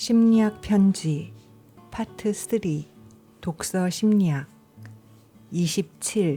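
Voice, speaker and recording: With music in the background, a woman speaks at a medium pitch and a very slow pace, leaving long, frequent pauses. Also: ordinary pitch variation. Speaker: audiobook reader. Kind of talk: book reading narration. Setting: rural home vlog with voice-over.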